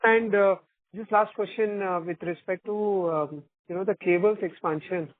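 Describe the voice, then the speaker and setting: A man's voice: high-pitched, fairly even intonation, normal speed, no room sound. A man working as an analyst, asking polite, probing questions on an earnings call. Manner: polite, probing, says sir. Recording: tinny phone line.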